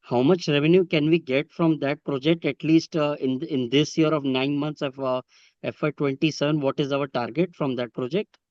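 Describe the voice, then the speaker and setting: A man with an Indian accent asking questions on a business conference call in a halting, wordy, polite way. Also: fairly high pitch, fairly even intonation, darkish tone, no room sound. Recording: muffled, lo-fi conference call audio.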